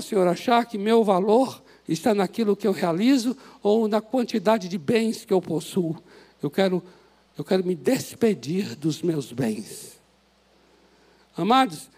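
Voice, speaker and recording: A male pastor with a Brazilian Portuguese accent, preaching an impassioned sermon that swings from loud exhortation to soft, prayerful pleading in a church. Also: sits high. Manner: impassioned, rises to shouts then drops to soft prayer. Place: church sanctuary.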